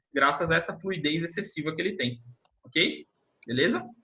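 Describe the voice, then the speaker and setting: A man is speaking. His pace is fairly quick. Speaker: teacher. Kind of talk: online class. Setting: video call. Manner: fast.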